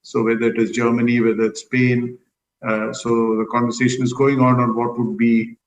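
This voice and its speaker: Echoing, roomy conference audio carries a man. He speaks at a medium pitch as a company executive, explaining things in a measured, diplomatic way. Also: level tone, highs cut off, slight background noise. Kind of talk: answering questions on an earnings call.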